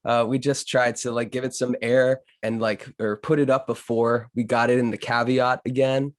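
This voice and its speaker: A man hosting a podcast in casual conversation, gushing and halting, with lots of filler words. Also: medium pitch, flat delivery, no room sound, studio quality. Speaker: podcast host. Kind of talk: casual interview chat.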